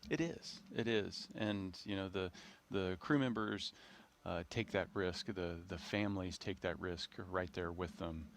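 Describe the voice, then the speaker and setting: A man, an astronaut guest, talking off the cuff in a halting, reflective way with repeated words. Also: deep voice, slight background noise. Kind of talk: unscripted live broadcast conversation.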